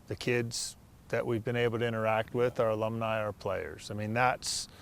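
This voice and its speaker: A man giving reflective interview remarks as a coach, in halting phrases. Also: lowish voice, level tone, vocal fry, slight background noise. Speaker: college soccer coach.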